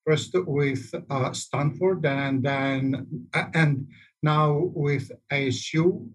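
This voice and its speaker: Brief: middle-aged Serbian-accented man, husky, slow and halting, slightly high voice. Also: low-quality recording. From Belgrade, former Yugoslavia. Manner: slow, halting, searching for words. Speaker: university researcher, panelist. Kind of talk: panel self-introduction.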